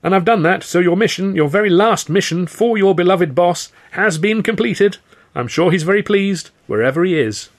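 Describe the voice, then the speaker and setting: A man's voice: a little high, animated, normal speed, voice pushed up. A man voicing a frightened music-hall comedian in an audiobook, flustered, wordy and eager to please. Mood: earnest, placating. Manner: gulping, flustered, placating, wordy. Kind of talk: audiobook character dialogue.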